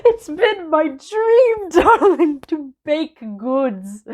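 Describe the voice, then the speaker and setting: A woman voicing a fussy male spoon butler who dreams of baking, in a drawn-out posh manner. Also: extremely high pitch, sing-song, darkish tone, voice pushed up, full character voice. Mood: giggly posh.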